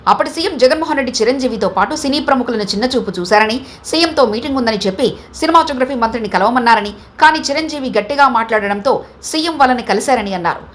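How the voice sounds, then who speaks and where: A woman reads a scripted news bulletin with a high, bright-sitting voice. She moves through it at a rapid clip. Her delivery stays brisk and even, in the steady manner of a news reader. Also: slight background noise.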